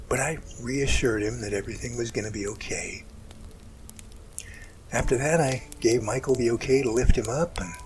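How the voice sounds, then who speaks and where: Slow, emotional man acted telling his story. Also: on the low side, close to an everyday voice, poor audio. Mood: reflective. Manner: halting, overwhelmed, breaking with emotion. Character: emotional man recounting a miraculous snowy rescue. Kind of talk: amateur audio drama acting, first-person recollection.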